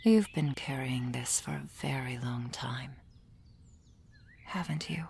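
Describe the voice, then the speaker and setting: A woman voicing a gentle female soul healer in an ASMR roleplay, whispering softly and soothingly into a close microphone. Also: a bass voice, slight background noise, full character voice. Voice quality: breathy whisper. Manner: soft whispering, slow and soothing. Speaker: ASMR performer.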